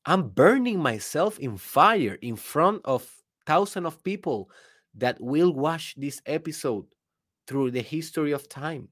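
Speaking with a Spanish accent as a native Spanish speaker, this business coach gives a forceful motivational talk on his own, peppering it with rhetorical questions for the listener. His voice is a little high and a bit bright, animated yet measured in pace.

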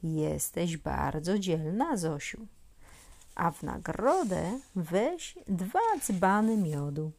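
A stately queen bee from a children's storybook, acted by a woman reading aloud, lower than the narrator and slow and measured, with a gravelly edge. She buzzes and praises in a kindly, regal way. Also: very animated, a little mellow, no echo, exaggerated voice.

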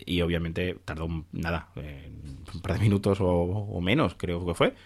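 Deep-voiced podcast host. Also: male voice, normal speed, a little mellow, no echo. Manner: chatty, many fillers and restarts, enthusiastic. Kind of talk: casual tech demo.

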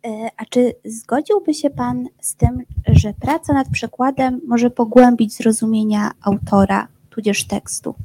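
Polite woman interviewer, mellow voice. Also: a little high, fairly even intonation, unhurried, few pauses, rough recording. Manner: polite, formal questioning. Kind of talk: interview questions.

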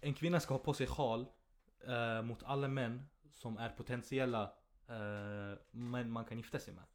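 A young man hosting a podcast, telling stories in casual chat and laughing often. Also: mid-range voice. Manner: animated storyteller, laughs often. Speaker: podcast host.

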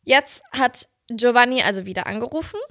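A young woman co-hosting a casual podcast, telling a story in an animated way. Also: fairly high pitch, brisk. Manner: animated, acting out dialogue, giggly. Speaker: podcast co-host.

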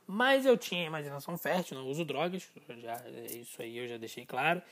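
A man's voice: fairly high pitch, lively intonation, fairly quick, fairly bright tone. A Brazilian man hosting a casual solo podcast, rambling and self-mocking, drifting off topic and restarting his sentences with repeated words. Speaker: podcast host.

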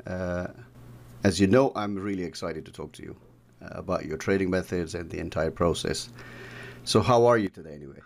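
A man hosting a trading podcast and interviewing a guest in a measured, friendly way. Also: low-pitched, creaky. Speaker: podcast host and trading mentor.

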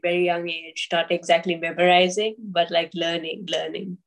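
A woman from Sri Lanka speaks as a guest on a podcast. Her voice sits low for a woman and barely moves in pitch. She hesitates often, filling gaps with ums and restarting her sentences. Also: level tone, moderate pace. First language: English. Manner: hesitant, many fillers and restarts. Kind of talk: casual interview talk.

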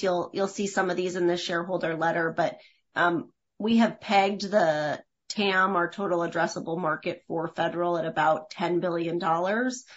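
Lowish, husky businesswoman on a call. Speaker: company executive. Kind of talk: earnings call report, factual. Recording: dull, lo-fi conference-call audio.

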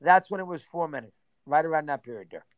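A man in his sixties, reminiscing in a casual interview, rambling and rattling off names in quick bursts. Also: fairly high pitch, lively intonation, no room sound. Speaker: interview guest.

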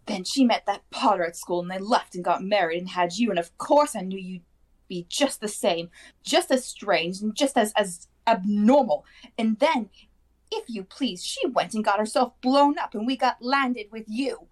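A woman's voice: medium pitch, moderate pace, natural voice. A woman performs a bitter middle-aged aunt from a storybook. She rants shrilly and spitefully, full of resentment. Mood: bitter ranting. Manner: ranting, spiteful. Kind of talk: audiobook character acting.

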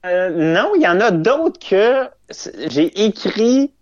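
A man's voice: high-pitched, big pitch swings, slow pace, a little mellow, no echo. A young man with a Québécois French accent, a comedian chatting in an interview, rambling and self-amused with lots of fillers and restarts. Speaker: comedian guest. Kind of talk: casual interview chat. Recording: slightly dull lo-fi sound.

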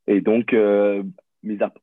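A man in his thirties from Burundi, with a very low voice, talks as a podcast guest. He hesitates often and restarts his sentences. The sound is dry and tinny, like a phone line. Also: completely flat delivery, slow, no room sound. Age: 30s. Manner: hesitant, many fillers and restarts. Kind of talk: casual interview talk.

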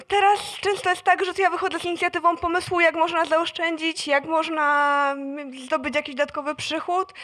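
High, bright-voiced woman sharing her experience. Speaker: audience member sharing a personal story. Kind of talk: spontaneous personal testimony at live event.

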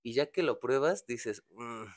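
A man's voice: mid-range voice, lively intonation, a little slow, dry recording, studio quality. A young man with a Mexican accent telling a story in casual chat, slangy and profane, acting out the people in it. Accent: Mexican Spanish. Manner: slangy, swears a lot, acts out characters in his story.

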